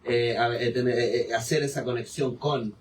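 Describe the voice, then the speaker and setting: A man's voice: medium pitch, fairly even intonation, moderate pace. A man with a Chilean accent moderating a live panel discussion, emphatic and fond of rhetorical questions, recorded in a forum hall. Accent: Chilean Spanish. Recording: distant mic with faint room noise.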